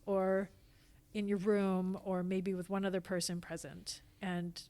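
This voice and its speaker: A woman's voice: medium pitch, flat delivery, measured pace, dark tone. A woman speaking as a podcast guest in casual, reflective conversation, with an earnest, emphatic way of talking. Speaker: podcast guest, theatre actor and company founder.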